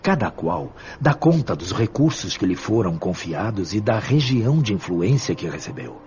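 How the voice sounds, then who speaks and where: An actor playing a wise, benevolent spiritual mentor in a radio drama, speaking in a measured, formal, teaching manner. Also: male voice, lowish voice, very animated, a little mellow, dull audio, slight background noise. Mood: patient, earnest.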